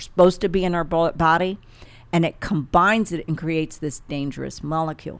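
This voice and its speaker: On a very clean recording with a silent background, a normal speaking voice shows ordinary pitch variation. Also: woman. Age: 60s. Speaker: integrative medicine doctor. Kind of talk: interview.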